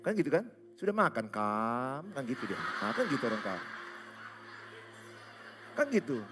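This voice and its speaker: A man's voice: medium pitch, wildly swooping pitch, moderate pace, music in the background. A man from Indonesia, preaching a humorous sermon as a pastor, often acting out little dialogues. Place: church stage.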